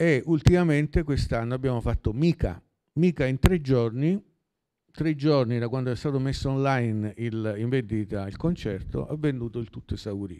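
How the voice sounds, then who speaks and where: Against a quiet background, a man with a dark, mellow tone talks at a moderate pace, leaving long, frequent pauses. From Italy. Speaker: jazz writer and festival producer; panelist. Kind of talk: panel discussion. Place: hall. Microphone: handheld.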